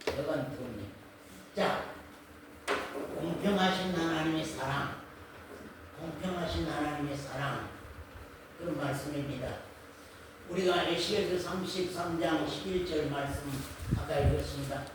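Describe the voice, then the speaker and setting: A man's voice: on the high side, measured pace, pauses often, noisy background. A male pastor preaching to his congregation, repeating key phrases with emphasis and asking the listeners questions. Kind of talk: sermon to a congregation. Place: church sanctuary. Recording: echoey hall, mic far off.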